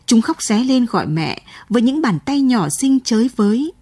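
A woman reading a late-night radio story as scripted narration, in a slow, sorrowful way, recorded in a radio studio. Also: on the high side, very animated, a little mellow, slightly rough, dry recording.

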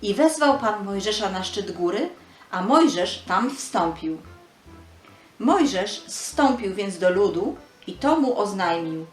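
A woman's voice: medium pitch, expressive, slow, echoey room, soft background music. A woman giving a scripted narration of a Bible story for children.

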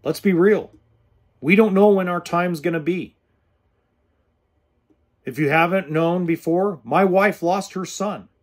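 A man in his forties hosts his podcast in a blunt, earnest, plain-spoken manner. His voice sits a little high for a man, and he speaks close into a studio mic in an indoor room. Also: unhurried, pauses often. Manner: blunt, earnest straight talk with hand gestures. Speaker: podcast host. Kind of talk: casual direct-to-camera talk. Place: indoors in an RV or home kitchen. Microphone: studio mic with pop filter close in front.

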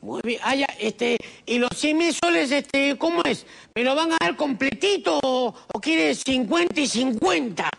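High gravelly man, scheming caller. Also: animated, a little slow, hardly any pauses, fairly bright tone. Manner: scheming, wheedling, calls everyone brother. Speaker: prank caller. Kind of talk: comic phone sketch.

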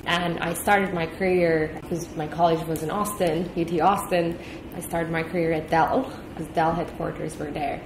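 A woman from Turkey, an executive guest on a podcast, answers questions in a thoughtful way, often repeating a word as she gathers her thoughts. Her voice sits a little low, and it carries through an echoey office with clear noise behind her. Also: level tone, moderate pace. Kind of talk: interview answers. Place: office meeting room.

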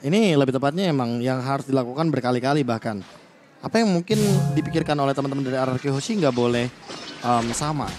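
Fast-talking male esports analyst. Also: mid-range voice. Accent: Indonesian. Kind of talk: live esports commentary and analysis. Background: music under the commentary.

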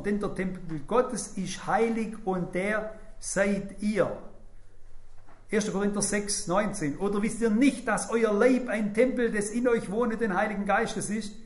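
Emphatic high-voiced preacher in a hall. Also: male voice. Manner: emphatic, addresses the congregation directly. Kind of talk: sermon.

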